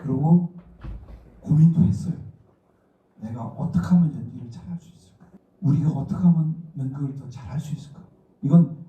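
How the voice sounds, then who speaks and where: A man's voice: fairly high pitch, distant mic. A middle-aged man with a Daegu accent giving a lecture to students, telling stories and acting out what people said. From rural area near Daegu, South Korea. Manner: animated storytelling, acting out quotes. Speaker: guest speaker, actor. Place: lecture hall. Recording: echoey hall recorded from afar, muffled.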